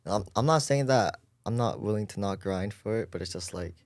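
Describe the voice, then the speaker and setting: A man's voice: lowish voice, a little fast, no room sound, clean studio sound. A young man of twenty chatting on a podcast, rambling with constant "like"s. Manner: rambling, lots of "like". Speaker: guest volunteer. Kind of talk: casual podcast chat.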